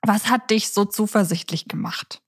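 Female podcast co-host, medium-pitched, conversational and chatty, addressing the audience directly. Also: normal speed.

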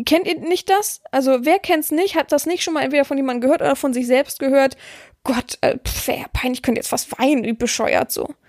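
A woman's voice: sits high, vocal fry, darkish tone, no room sound, clean studio sound. A woman hosting a podcast, talking frankly in a chatty monologue full of fillers and restarts. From German-speaking region. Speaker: podcast host, dominatrix.

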